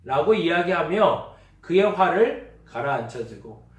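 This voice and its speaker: A man's voice: on the high side, big pitch swings, a little slow. Preaching man in an echoey church. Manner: conversational preaching, acting out everyday dialogue. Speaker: pastor. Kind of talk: sermon. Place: church sanctuary. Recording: echoey church hall, mic at a distance.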